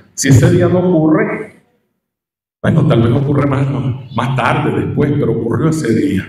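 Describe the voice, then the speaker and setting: Amid audible room echo, a man with a fairly high pitch speaks with long, frequent pauses. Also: ordinary pitch variation, moderate pace. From Venezuela. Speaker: politician. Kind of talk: political speech. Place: hall. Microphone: camera far.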